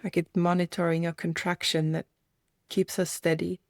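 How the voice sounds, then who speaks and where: Her voice fairly low and her delivery flat, a meditation guide gently instructs her listener. She takes her time, softly inviting and pausing to reflect, in a close, dry recording with no echo.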